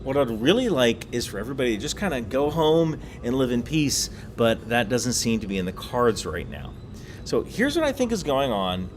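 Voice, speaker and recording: A man talks through a casual explainer monologue, his voice swinging lively up and down as he drops wry asides and leans hard on key points. He's recording on a laptop mic while away on a work trip. A faint ambient hum sits under his voice. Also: medium pitch. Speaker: YouTube explainer host.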